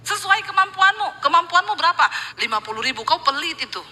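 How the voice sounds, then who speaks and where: A woman's voice: very high voice, very animated, brisk, sharp tone, poor audio. A middle-aged woman pastor, preaching a live church sermon, telling stories with acted-out quotes and jokes.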